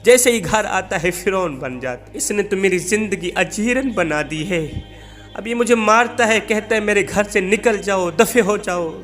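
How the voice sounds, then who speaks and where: A man voicing a mistreated wife in a sermon tale, tearful, pleading, repeating her laments, high male voice, soft music behind.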